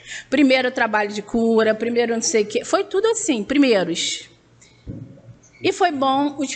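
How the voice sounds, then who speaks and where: Moderate pace over noticeable background noise. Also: woman. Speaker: teacher speaking at spiritist centre anniversary. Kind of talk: personal testimony speech. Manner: animated.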